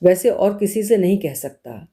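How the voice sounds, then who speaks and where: A woman narrating a literary audiobook in a measured, expressive storytelling manner. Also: mid-range voice.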